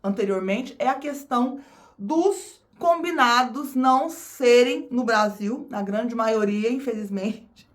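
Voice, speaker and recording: Brazilian-accented woman vlogger, high pitch, casual and talkative to camera. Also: slow. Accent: Brazilian Portuguese. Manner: chatty, repeats phrases, addresses viewers as "gente".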